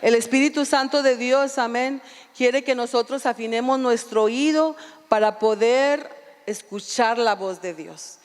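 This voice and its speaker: A woman's voice: on the high side, a little slow. A woman pastor preaching a sermon and reading scripture aloud, often calling out for amens and restarting her phrases. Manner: calls for amens, frequent restarts. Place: church sanctuary. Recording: long reverb in a church hall.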